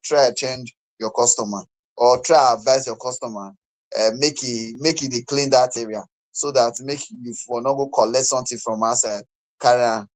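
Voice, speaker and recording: A man's voice: medium pitch, rough recording. A male doctor with a Nigerian accent gives health advice as a guest. He blends Nigerian Pidgin with English. His manner is instructive and conversational, with polite urging.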